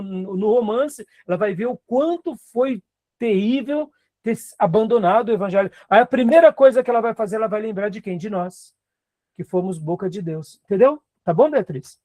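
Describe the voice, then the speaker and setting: A Brazilian Portuguese-accented man teaches a seminary class as a pastor, lively and quick to laugh as he acts out the voices in his stories. His voice sits high for a man yet sounds mellow, and it is recorded dry and close. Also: no room sound. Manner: animated, laughs often, acts out quoted voices.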